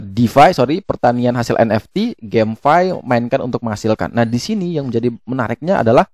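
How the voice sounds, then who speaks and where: Mellow-voiced man explaining casually, haltingly. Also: medium pitch, no echo, studio quality. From Indonesia. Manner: halting, with frequent hesitations and self-corrections. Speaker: YouTube host explaining crypto tokens. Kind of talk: casual explainer, walking through a web page.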